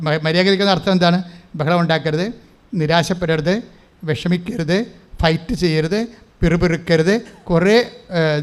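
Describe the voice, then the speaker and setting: Male preacher, high and smooth, emphatic sermon delivery with call-and-response. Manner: emphatic, has listeners repeat his phrases.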